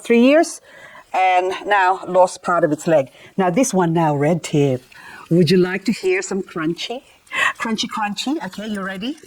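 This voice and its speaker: A woman's voice: lowish voice, low-quality recording. A middle-aged woman raised in the Philippines, chatting playfully while cleaning up succulents in a casual vlog. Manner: chatty, playful, self-mocking asides. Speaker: gardening vlogger. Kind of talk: casual chat while repotting plants.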